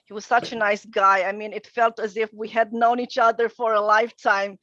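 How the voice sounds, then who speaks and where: A middle-aged woman from northern Romania, a native Romanian speaker, calmly recounting her career as a translator and interpreter, with frequent hesitations. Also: mid-range voice, no room sound. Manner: measured, many hesitations. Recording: dull dry video-call audio.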